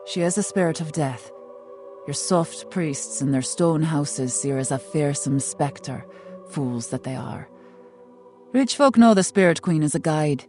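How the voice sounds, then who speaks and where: A woman's voice: deep voice, mellow. A woman playing a proud, scornful tribal spirit-worshipper in a video game, speaking in a solemn, disdainful way. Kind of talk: video game character acting.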